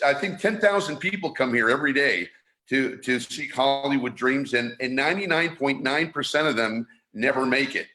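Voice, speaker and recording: A man's voice: medium pitch, sharp tone. A middle-aged man from San Francisco hosting a live online show, talking casually with many restarts and fillers. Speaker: show host. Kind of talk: casual live-stream talk.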